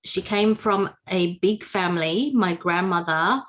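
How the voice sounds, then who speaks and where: A woman's voice: lowish voice, measured pace. A woman from Indonesia, telling her life story as an interview guest over a video call, searching for words with many fillers. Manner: warm, searching for words, frequent laughs and fillers.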